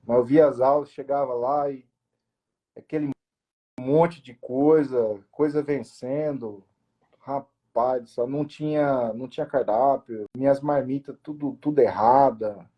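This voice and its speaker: A man's voice: mid-range voice, steady tone, unhurried, highs cut off. A young man who owns a family restaurant, telling his story in an interview in a casual, emotional way, with many restarts and quoted self-talk. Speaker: restaurant owner, interview guest.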